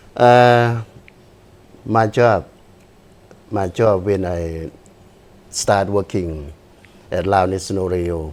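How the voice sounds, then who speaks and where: A man's very deep, low voice in a Lao accent, very slow, with ordinary pitch variation. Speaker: retired radio broadcaster. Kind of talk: interview. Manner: halting.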